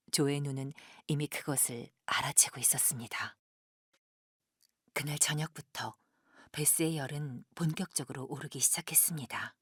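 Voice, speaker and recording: A female narrator tells a drama in a gentle, measured way. Her voice is low and breathy, captured close with a very dry sound. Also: no room sound. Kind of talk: scripted audio drama narration.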